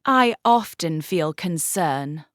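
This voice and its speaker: A woman's voice: lowish voice, lively intonation, slow pace, no echo, studio quality. A woman voicing a genteel young lady, polite and carefully probing, in a period audiobook drama. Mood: concerned.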